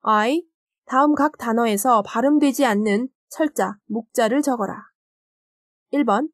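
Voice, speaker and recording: A woman teaching a recorded English vocabulary lesson who reads example sentences slowly and carefully. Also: a little high, dry recording, clean studio sound, faint music behind. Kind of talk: recorded grammar lecture.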